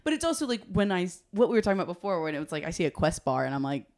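Chatty young woman with a lowish voice. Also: big pitch swings, rapid-fire, darkish tone. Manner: chatty, laughs often, trails off with filler words. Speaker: comedian guest. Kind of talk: casual podcast chat.

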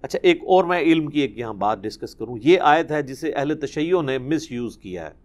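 A middle-aged man with a Pakistani Urdu accent giving a Quran commentary lecture, explaining with animation and reciting verses slowly and carefully. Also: on the high side, expressive, a little mellow. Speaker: religious teacher.

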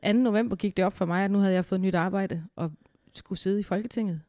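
Speaking in a mid-range, dark voice with fairly even intonation, a podcast co-host who has a cold chats casually from her living room. She's upbeat and rambles with fillers, and the studio-quality audio has no room sound.

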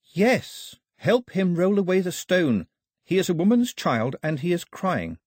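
A soft, urgent spirit voice that seems to float in the air, pleading and questioning, as a male narrator puts it on. It sits well above his usual pitch and keeps a slightly husky edge. The sound is dry and close. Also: big pitch swings, a little slow, dry recording, exaggerated voice. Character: disembodied female voice in the air, gentle and urgent.

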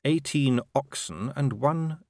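A man voicing an unruffled, quietly ironic city ruler in a story, careful, measured and understated. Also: medium pitch, vocal fry, dry recording, studio quality, voice pushed up. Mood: dry, deliberate.

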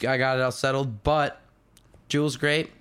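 Guest, young man, smooth mid voice, stammers, deadpan comic. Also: medium pitch, normal speed. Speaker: podcast guest. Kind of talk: casual comedic chat.

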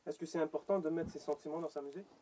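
A man's voice: a little high, fairly even intonation, rapid-fire, dark tone, dry recording. A man asking short, direct questions as the interviewer.

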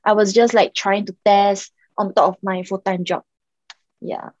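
A woman's voice: medium pitch, fairly even intonation, measured pace, a little mellow, no room sound. Young Singaporean woman founder; casual, filler-heavy talk, dry slightly muffled recording. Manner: chatty, many "like" and "um" fillers. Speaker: startup founder, guest. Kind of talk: casual podcast interview.

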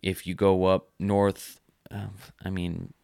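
A man's voice: deep voice, flat delivery, takes it slowly, gravelly, warm tone, clear, resonant tone, no room sound, studio quality. A young American man in casual conversation, explaining sociology ideas in a lecturing way. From United States. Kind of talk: casual chat.

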